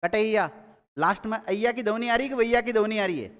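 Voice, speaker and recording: A man's voice: sits high, quick pace, a bit bright. Man teaching in a reverberant classroom. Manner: repeats key words and quizzes students. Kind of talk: classroom grammar lesson.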